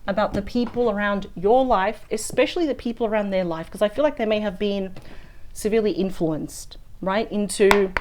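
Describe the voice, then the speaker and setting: A woman reading tarot cards, chatty and thinking aloud. Her voice is husky and a little weak after a sore throat. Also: medium pitch, normal speed, darkish tone, a little hiss or hum. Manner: chatty and thinking aloud, often adds "right?". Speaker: tarot reader. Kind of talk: weekly tarot card reading.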